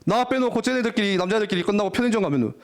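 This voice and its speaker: A young man preaching a lively, jokey youth sermon in a church, often acting out teenagers' voices. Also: sits high, rapid-fire. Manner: animated, jokey, acts out teen voices. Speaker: youth pastor. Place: church worship hall.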